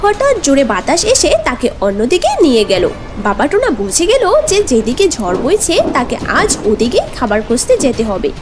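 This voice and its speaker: A woman's voice: sits high, big pitch swings, normal speed, noisy background. A woman narrating a scripted cartoon story as the storyteller. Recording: music bed under the voice. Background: background music.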